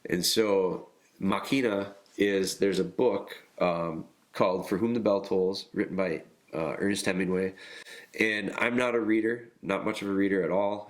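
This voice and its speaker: A man hosting a podcast with a nasal, congested voice, talking casually and haltingly with frequent pauses and restarts. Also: deep voice. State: congested from illness. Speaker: podcast host.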